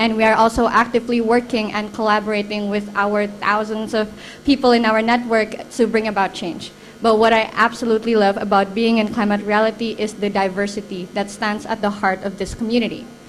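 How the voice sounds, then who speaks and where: A woman talks at a fairly quick pace and a fairly high pitch, her intonation monotone and flat, with noticeable background noise behind her. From Indonesia, Borneo (Dayak). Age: 20s. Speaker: environmental activist. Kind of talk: panel talk.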